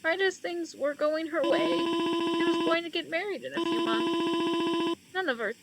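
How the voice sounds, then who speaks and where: A woman voicing a heartbroken elderly mother at her daughter's funeral, speaking slowly and gently. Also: very high-pitched, steady tone, loud music behind the voice, pitched above the performer's own voice. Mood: grieving. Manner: slow, tearful, gentle. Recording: loud background noise.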